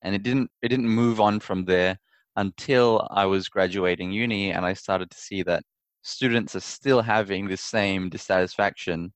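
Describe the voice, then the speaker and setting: A young man from Perth, Australia, answering interview questions in a friendly, relaxed way and repeating words as he thinks. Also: sits low, moderate pace, smooth, no room sound. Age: young adult. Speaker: interview guest, startup founder. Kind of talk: conversational interview.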